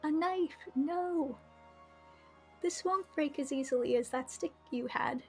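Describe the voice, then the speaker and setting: A woman's voice: high voice, slow pace. A woman voicing a small talking flower in a game, a falsely sweet villain with a mock-friendly, needling manner. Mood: taunting. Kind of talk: visual novel character read aloud. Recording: music behind the voice.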